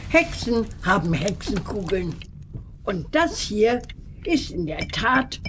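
Slow, expressive witch-school teacher. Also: medium pitch, slight background noise. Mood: measured, instructive. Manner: deliberate, instructive. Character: measured female witch-school teacher explaining to pupils. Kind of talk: children's audio drama acting.

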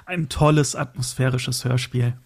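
A man's voice: mid-range voice, fairly even intonation, moderate pace, creaky. A middle-aged man chatting casually as a podcast co-host, agreeable and affirming. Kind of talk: casual chat.

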